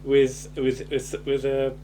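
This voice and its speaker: A man's voice: mid-range voice, monotone, slow, warm tone, a little hiss or hum. A man chatting casually as he reviews an episode, hesitant and rambling, often ending on tag questions. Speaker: podcast host.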